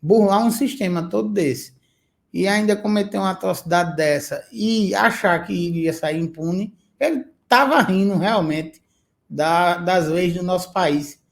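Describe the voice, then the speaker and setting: A man's voice: high voice, unhurried, gravelly. A male podcast host, speaking emphatically and indignantly, with hesitant fillers. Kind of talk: interview questions and commentary.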